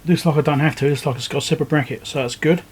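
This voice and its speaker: A man giving casual, low-key commentary as he works, thinking aloud step by step like a repair video host. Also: steady tone, very fast, heavy background noise. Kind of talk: casual hands-on commentary while working. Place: indoor repair workbench.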